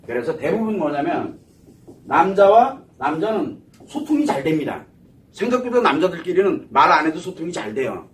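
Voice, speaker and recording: Animated man lecturing from a distance. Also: a little high, normal speed. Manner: asks the audience questions and answers them himself. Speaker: psychology lecturer. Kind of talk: lecture to an audience. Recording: voice somewhat far from the mic.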